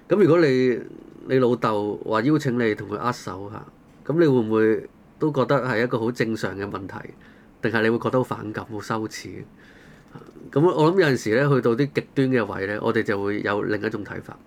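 A man with a Hong Kong Cantonese accent hosting a casual discussion, talking colloquially through rhetorical questions and everyday examples. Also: medium pitch. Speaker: talk show host.

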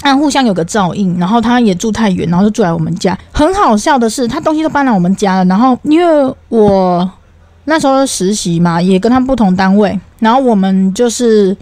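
A young woman, co-hosting a podcast and telling stories in an animated, exasperated way, with some swearing. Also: medium pitch, brisk, dry recording. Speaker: podcast co-host. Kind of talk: casual storytelling chat.

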